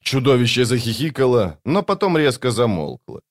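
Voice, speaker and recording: A man reading a fantasy audiobook with an expressive delivery. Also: mid-range voice, normal speed. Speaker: audiobook narrator.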